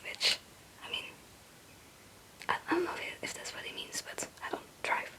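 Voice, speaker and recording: A young woman who creates ASMR videos whispers at a moderate pace with a sharp tone. Her chat is casual and wandering, full of hesitation and self-deprecating remarks, and English is not her native language.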